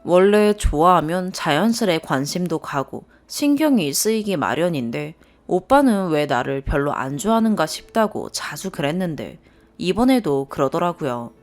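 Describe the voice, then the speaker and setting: A woman reading a submitted first-person story aloud as scripted narration. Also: on the low side. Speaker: story reader.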